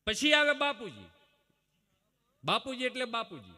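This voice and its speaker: Man, stage comic storyteller, folksy and preachy, high, very bright, long hall echo. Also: sing-song, measured pace. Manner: preachy, folksy, breaks into mock shouts and sung lines. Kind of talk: folk comedy monologue on stage.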